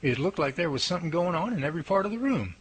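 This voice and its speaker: A man's voice: fairly high pitch, sing-song, racing, slightly rough, low-quality recording. A man playing an eager, easygoing team leader with a folksy way of talking, in an amateur radio drama.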